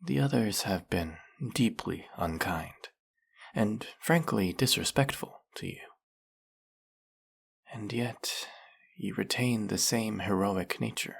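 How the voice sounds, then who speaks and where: An actor playing a snake-headed male villain in an audio roleplay, speaking in a soft, formal, measured way. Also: lowish voice, gravelly, breathy edge, exaggerated voice. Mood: gentle, soothing.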